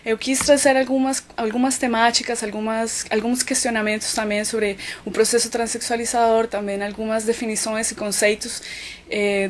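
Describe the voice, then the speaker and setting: A Colombian physician and researcher gives an academic web lecture in a mid-range voice with a Colombian Spanish accent. She explains thoughtfully, using many filler words such as "então" and "é," and there's slight background noise.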